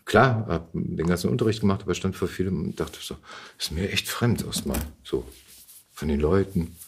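A man in his fifties telling stories casually in an interview, thoughtful and halting as he searches for words. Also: low-pitched, gravelly, noisy background. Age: 50s. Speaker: actor and podcast guest.

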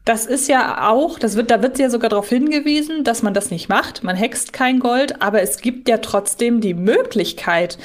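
A woman's voice: on the high side, moderate pace, few pauses. Woman chatting casually as podcast co-host. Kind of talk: casual fan discussion.

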